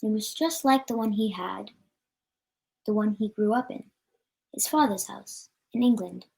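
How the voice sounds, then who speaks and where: A woman reading a storybook aloud in a plain, somewhat halting manner. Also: mid-range voice, creaky, darkish tone. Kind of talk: read-aloud storybook narration.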